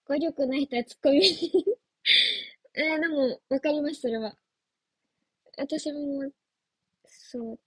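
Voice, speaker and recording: A woman's voice: high-pitched, slow, long pauses, dry recording. A young woman chatting casually on a livestream as an idol trainee, giggly and playful as she answers viewer comments. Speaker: idol trainee streaming live.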